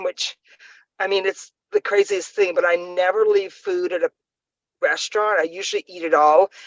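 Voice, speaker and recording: A woman's voice in a dry, close sound with no echo. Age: 60s. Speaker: product user giving testimonial. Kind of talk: testimony.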